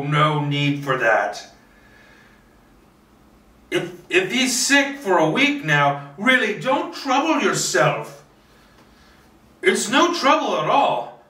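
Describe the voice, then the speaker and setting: A man voicing a polite, flustered but proud elderly woman in a screenplay table read, halting and repeating insistently. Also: sits high, sharp tone, pitched above the performer's own voice, full character voice. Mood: flustered refusal. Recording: roomy, distant microphone.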